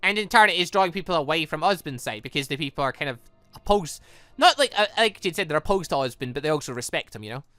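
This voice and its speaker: An excitable, rambling gaming host commentating on a visual novel while reading it aloud. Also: medium pitch, quick pace, dry recording, faint music behind.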